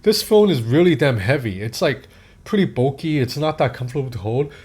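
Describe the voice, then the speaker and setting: A man's voice: medium pitch, animated, a little fast, a little mellow, breathy edge. A man in his thirties from Hong Kong, giving a casual, candid phone review that drifts into personal asides and loose swearing. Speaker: tech reviewer.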